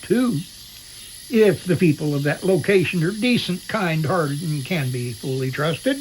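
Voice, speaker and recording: A man's voice: on the high side, a little slow, lightly acted. A man playing a straight-faced, by-the-book helicopter pilot in an amateur audio drama, dryly unflappable and matter-of-fact. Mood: dry, official. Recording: hissy, noisy radio-drama track with outdoor ambience.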